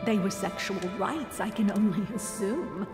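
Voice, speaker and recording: An actress playing an arch, conspiratorial society gossip who relishes scandal in a video game. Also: female voice, mid-range voice, normal speed, lightly acted. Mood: gossipy, arch. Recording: echoey hall reverb with music behind.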